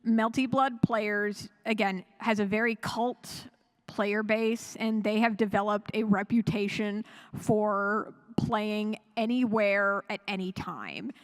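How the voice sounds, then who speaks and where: A woman's voice: medium pitch, slow pace. A woman speaking as a convention panelist, chatty and enthusiastic, rambling casually and often correcting herself. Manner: chatty and rambling, with frequent self-corrections and chuckles. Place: live panel room at a fan convention.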